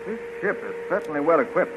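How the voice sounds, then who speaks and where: A gallant young hero of a 1930s space radio serial, ardent and protective. His voice sits a little high and swings widely in pitch. The recording is dull, with clear background noise. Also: very animated, fast. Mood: confident.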